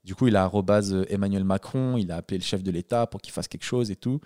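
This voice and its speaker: A man hosts a relaxed conversation with blunt, slangy phrasing. His pitch is middling and the sound is dry and close. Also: quick pace, no room sound. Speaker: podcast host. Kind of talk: casual chat.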